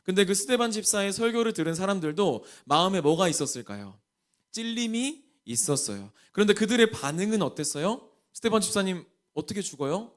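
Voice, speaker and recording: A man's voice: sits high, lively intonation, fairly quick. A male pastor from Jeolla with a Jeolla accent, preaching a sermon to a young adults group and asking the congregation many questions. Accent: Jeolla Korean. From Jeolla region, Korea.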